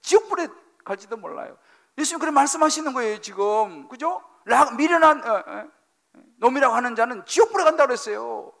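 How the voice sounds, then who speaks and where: A middle-aged man preaching from a church pulpit, his voice pitched very high and swinging widely as he drives points home. The tone is bright and edged with gravelly fry, and he keeps repeating phrases and firing questions at the congregation. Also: fairly quick. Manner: animated preaching, emphatic repetition, questions to the congregation. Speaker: senior pastor. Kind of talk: sermon. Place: church sanctuary.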